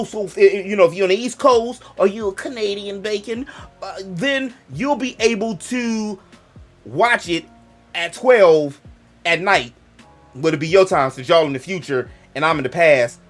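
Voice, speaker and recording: A young man hosting a gaming channel talks at a moderate pace in a high-sitting voice, with faint music behind him. Speaking African American English, he rambles casually, joking and wandering off-topic while interrupting himself.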